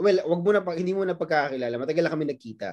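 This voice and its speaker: A man's fairly high voice in a Filipino accent, with ordinary pitch variation. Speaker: podcast host. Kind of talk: casual chat interview.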